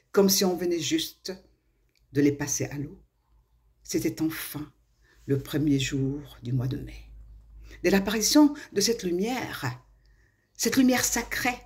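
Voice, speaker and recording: A woman from Morocco telling a children's tale expressively, with dramatic pauses and hushed phrases. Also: lowish voice. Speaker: storyteller.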